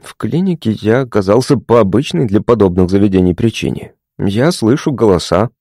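A man voicing a touchy young male patient who talks matter-of-factly and takes offence quickly. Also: fairly low pitch, animated, mellow, dry recording, clean studio sound.

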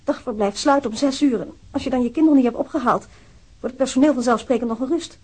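Radio play casting: distressed mother, earnest testimony, husky, slightly high voice. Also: fast talker, warm tone. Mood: distressed, weary. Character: wronged, distressed mother giving written complaint about police. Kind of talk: radio drama monologue, formal testimony.

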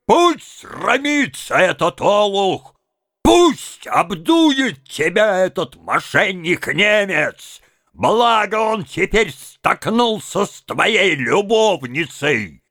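A man voicing a blustering, loud-mouthed middle-aged bully who shouts and rants. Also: a little high, big pitch swings, normal speed, vocal fry, few pauses, no echo, studio quality, pitched above the performer's own voice, exaggerated voice. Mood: ranting. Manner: shouting, ranting.

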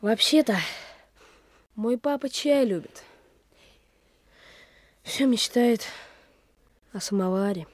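A woman playing a gentle, trusting small boy, a doctor's son, in a Soviet radio play. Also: on the high side, takes it slowly, long pauses, dry recording. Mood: wistful.

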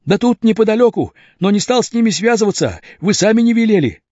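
A man voicing a calm young hero speaking matter-of-factly, in a storybook reading. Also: high-pitched, fast talker, no echo, pitched above the performer's own voice. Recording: dull lo-fi dry recording.

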